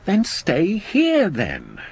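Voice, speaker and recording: An actor playing an exasperated, dismissive husband in a radio horror play, irritable and sardonic. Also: male voice, high voice, huge pitch swings, very slow, gravelly, heavily acted. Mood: weary, defensive. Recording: noisy 1980s radio drama recording.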